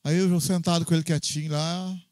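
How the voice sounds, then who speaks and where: A man with a Brazilian Portuguese accent preaching an informal sermon in a church, telling personal stories with lively frequent tag questions. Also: on the high side, a little fast, dry recording. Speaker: pastor.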